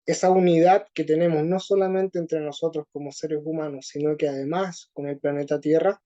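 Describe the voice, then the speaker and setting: A man with a Chilean accent answering interview questions slowly, with many pauses and fillers. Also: a little high, steady tone, warm tone, lo-fi sound. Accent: Chilean Spanish. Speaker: interview guest. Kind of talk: conversational interview.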